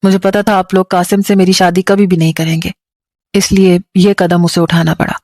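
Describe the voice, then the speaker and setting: A woman narrating a moral romance story with an even, measured storytelling delivery. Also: fairly low pitch, no room sound.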